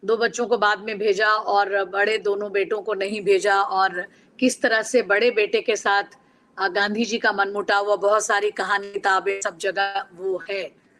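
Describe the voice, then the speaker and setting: A woman's voice: mid-range voice, fairly bright tone, poor audio. A middle-aged woman author from Bihar answering interview questions earnestly and reflectively, with personal stories. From Bihar, India. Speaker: guest author.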